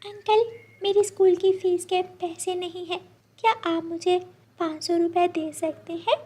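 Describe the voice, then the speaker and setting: A woman's voice: extremely high pitch, fairly even intonation, measured pace, mellow, pitched above the performer's own voice. A woman voicing an eager, earnest young girl bird in a cartoon story. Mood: pleading.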